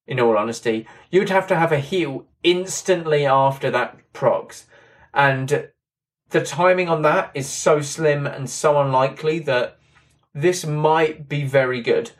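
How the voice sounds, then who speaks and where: A man with a slightly hoarse, drying voice, chatting casually through game patch notes in a rambling way with many fillers. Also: a little high. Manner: rambling, repeats "that kind of thing", fillers. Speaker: game content creator.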